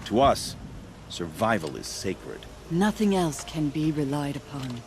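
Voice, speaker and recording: An actor playing a proud, hardened tribal hunter, speaking solemnly and sternly in a video game cutscene. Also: male voice, mid-range voice, huge pitch swings, a little slow, background noise.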